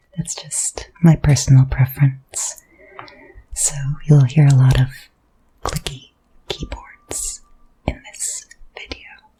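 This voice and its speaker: Soft-spoken and very slow, the speech has long, frequent pauses. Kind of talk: ASMR soft-spoken rambling.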